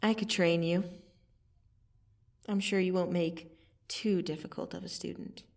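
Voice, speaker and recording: A woman acts out a female vampire assassin for an ASMR roleplay. Her voice is on the low side and full of gravelly creak, with breathy dips toward a whisper. She speaks very slowly and deliberately, menacing yet intimate, with a wistful softness underneath. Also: steady tone, recorded from a distance. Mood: softening, earnest. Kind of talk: ASMR roleplay, scripted dramatic monologue.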